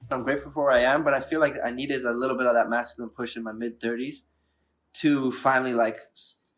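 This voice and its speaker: A man's voice: medium pitch, little pitch movement, fast, fairly bright tone. A man in his late thirties hosting an interview, enthusiastic and chatty, filling his speech with "like". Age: 30s. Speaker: podcast host. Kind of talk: casual interview talk.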